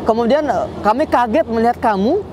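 A man's voice: extremely high pitch, expressive, brisk, background noise, voice pushed up. A man voicing a frightened shipwrecked Arab traveler who recounts his ordeal in a rush. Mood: anxious.

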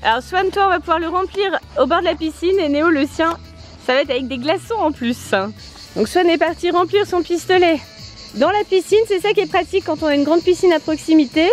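The host of a family toy-review vlog, a mother, speaks briskly in a strikingly high voice while outdoors next to a pool. She teases playfully and laughs a lot. Faint, soft music can be heard behind her.

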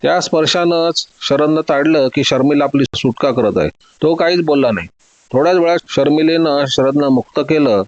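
A man narrating a detective story in a steady, dramatic reading. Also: a little high, normal speed, dry recording, muffled recording.

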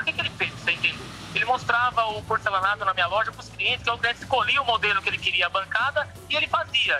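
A man heard through a phone line, his voice pitched high and piercingly bright. He talks in a rambling, defensive way and keeps insisting on his reassurances. It is a casual call from a store owner. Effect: heard over a phone line.

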